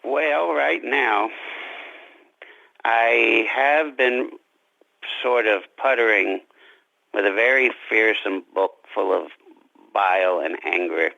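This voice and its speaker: A man being interviewed as an author, talking reflectively about his craft in halting, deliberate phrases. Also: lowish voice, gravelly, no echo, lo-fi sound.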